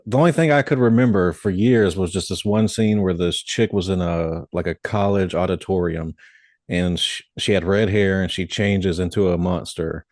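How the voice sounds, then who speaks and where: Man, podcast host, very low voice, easygoing, casual swearing, dry sound. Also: normal speed, a little mellow, no room sound. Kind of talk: casual interview chat.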